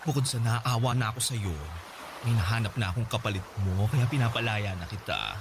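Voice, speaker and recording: A man's voice: mid-range voice, a little fast, noisy background, close to an everyday voice. An actor playing a wealthy older gay man, smug and manipulative, in a radio drama, with a teasing, sing-song delivery. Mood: knowing.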